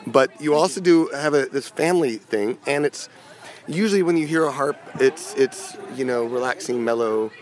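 A man's voice: mid-range voice, moderate pace. A man hosting a casual interview at a festival, chatty and joking, often stumbling and restarting his questions. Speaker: podcast host interviewing musicians. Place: outdoor festival.

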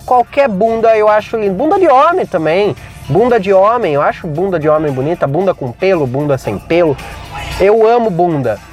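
Male podcast host, high voice, jokey in-car monologue, faint music bed. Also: expressive, normal speed. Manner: rambling, jokey, narrating what he sees. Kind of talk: casual rambling monologue. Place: inside a car with windows closed.

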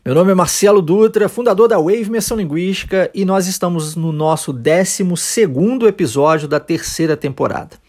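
A man's voice: high-pitched, a little mellow. A man from Brazil hosting a podcast language lesson, explaining English phrases in a didactic way with fillers. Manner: didactic, slow model phrases, hesitant fillers. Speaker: language teacher and podcast host.

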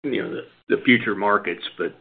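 A man speaking as a company executive, answering questions on an earnings call in a measured, halting way over a phone line. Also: lowish voice, gravelly, breathy edge. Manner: measured, halting, hedging phrasing. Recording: band-limited phone conference line.

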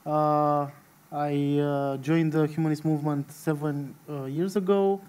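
A man with a Romanian accent introduces himself on a panel. His voice is mellow and somewhat high for a man, and he moves haltingly through short, broken phrases. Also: fairly even intonation, clear, resonant tone. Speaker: panel guest, association president. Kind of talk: unscripted self-introduction at a panel.

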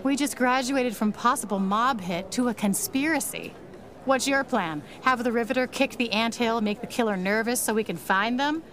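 A frank, skeptical female sidekick with a somewhat high voice, acted by a woman. She delivers pulp radio drama lines bluntly and sardonically. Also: moderate pace, a bit bright, natural voice. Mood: sardonic.

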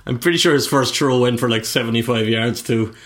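Sports podcast cohost guy, teasing and analytical, bright voice. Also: medium pitch, a little fast. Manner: teasing, laughing along, analytical. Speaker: podcast co-host. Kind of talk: casual sports chat.

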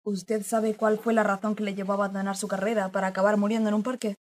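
A woman playing a sharp-tongued female newspaper reporter with an ironic, teasing manner in a radio drama. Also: mid-range voice, flat delivery, fast talker, lightly acted. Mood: inquisitive. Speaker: journalist.

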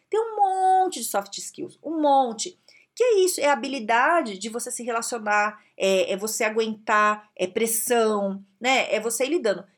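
A woman with a Brazilian Portuguese accent giving casual career advice straight to camera, lively and direct, often tagging her points with questions. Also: fairly high pitch.

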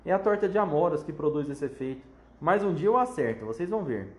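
A man's voice: fairly high pitch, sing-song, fast. Man putting on a fretful inventor, raised voice, roomy echo, storybook. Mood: weary. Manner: fretful, sighing. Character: fussy eccentric male candy inventor.

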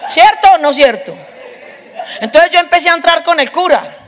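Woman, middle-aged preacher, funny testimony, high voice, lively storyteller. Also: moderate pace, a faint crowd, slight background noise. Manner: lively storyteller, acts out voices, laughs often.

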